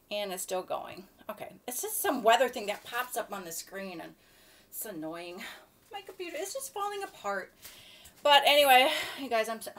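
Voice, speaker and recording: A woman's voice: on the high side, fairly bright tone. Chatty woman venting from her kitchen. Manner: rambling, chatty complaining. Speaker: vlogger. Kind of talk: casual chat to camera. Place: home kitchen, indoors. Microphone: laptop webcam from a few feet away. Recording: distant laptop mic, faint room noise.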